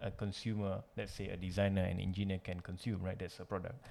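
A man at a moderate pace with monotone, flat intonation. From Malaysia. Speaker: product designer. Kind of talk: interview conversation. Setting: video call. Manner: halting, many fillers.

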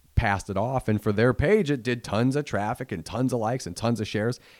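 A man with an American accent speaks at a fairly quick pace in a normal speaking voice. His pitch varies in an ordinary way on a very clean recording with a silent background. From Chicago. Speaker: comedian. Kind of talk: casual chat.

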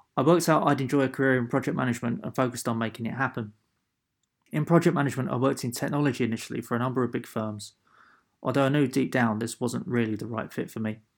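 A man with an Essex accent at a very fast pace, on a very clean recording with a silent background. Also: medium pitch for a man, ordinary pitch variation. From Essex, England. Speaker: podcast host and author. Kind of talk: scripted podcast introduction.

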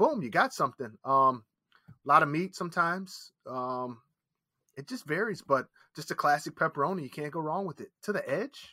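Bright and sharp in tone, a man speaks at a high pitch with big swings in loudness, recorded very cleanly with a silent background and a dry, close sound with no echo. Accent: American. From Michigan, US Midwest. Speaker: podcast host. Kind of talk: casual chat.

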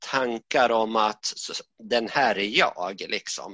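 A man speaks at a very slow pace, his tone bright and sharp. The sound is dry and close, with no echo. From Sweden, Västerås. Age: 60s. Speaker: podcast co-host. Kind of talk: casual conversation about spirituality. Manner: hesitant, many fillers.

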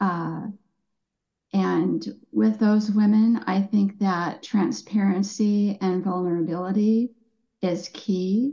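Very slowly and softly, a woman with an American accent speaks at a medium pitch in a dark, mellow, somewhat breathy tone, her intonation fairly even and her loudness very even. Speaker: abuse survivor and speaker. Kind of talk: interview. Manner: soft-spoken.

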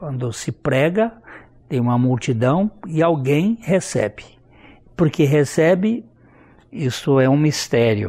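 Long pauses break up the speech often. Everything moves very slowly. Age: 70s. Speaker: TV preacher. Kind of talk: sermon.

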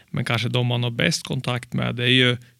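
A man's bright, sharp tone comes with vocal fry. The recording is very clean, with a silent background. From Sundsvall, northern Sweden. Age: 30s. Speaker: snowmobile shop owner. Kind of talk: casual chat.

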